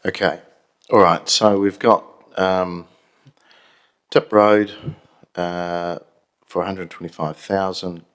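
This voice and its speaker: A very low-voiced man with a New Zealand accent chairs a council meeting in a council chamber. He moves through agenda items briskly and procedurally, with the odd dry aside. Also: level tone, a bit bright.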